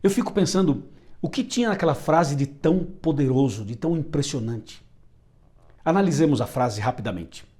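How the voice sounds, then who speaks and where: A man's voice: fairly high pitch, animated, normal speed, a little mellow. A man with a Brazilian Portuguese accent preaching a sermon, emphatic and repeating phrases for effect.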